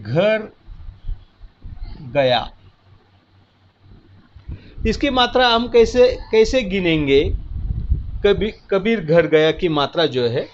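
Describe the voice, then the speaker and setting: Patient high-voiced male teacher. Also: lively intonation, takes it slowly, long pauses. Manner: patient, step-by-step explaining with counting aloud. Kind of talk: classroom lesson at a board. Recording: muffled lo-fi audio.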